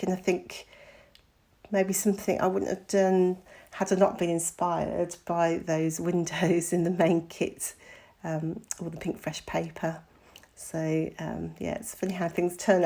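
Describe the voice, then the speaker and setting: A middle-aged woman with a croaky voice, recovering from an illness, talks casually through a craft tutorial with frequent ums. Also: lowish voice, measured pace, warm tone.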